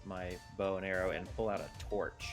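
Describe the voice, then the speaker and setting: A man with a deep, low voice plays at the table. He works through his turns haltingly, leaning on fillers. Music plays clearly behind him. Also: steady tone. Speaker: player. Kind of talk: casual tabletop play.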